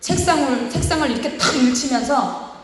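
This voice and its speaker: A woman pastor giving a sermon, quoting scripture and retelling a family story in animated quoted voices. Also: high-pitched, brisk. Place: church. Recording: echoey church hall.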